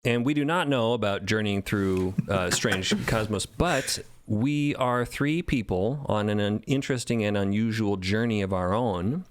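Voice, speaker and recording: A man's voice: fairly low pitch, a little slow, few pauses. A man on a podcast panel, talking in an easygoing, appreciative way about his sound work. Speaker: sound designer and composer. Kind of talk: casual roundtable chat.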